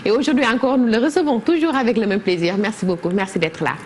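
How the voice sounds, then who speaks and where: A woman's voice: a little high, fast talker, a little hiss or hum. Woman TV presenter, polite and welcoming, formal introduction. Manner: courteous, welcoming. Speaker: show presenter.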